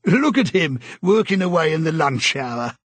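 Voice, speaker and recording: Male reader putting on a loud hearty busybody guy, chummy and pushy, bit higher than his own voice, husky. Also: sing-song, normal speed, dry recording. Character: bluff hearty middle-aged man, eager busybody.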